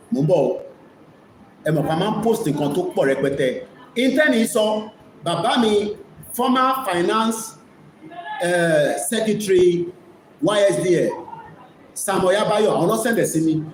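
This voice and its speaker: A man with a Nigerian Yoruba accent hosting a live commentary, speaking emphatically and repeating key phrases. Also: high voice. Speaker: host of an online media broadcast. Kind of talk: live commentary mixing two languages. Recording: echoey room with faint noise.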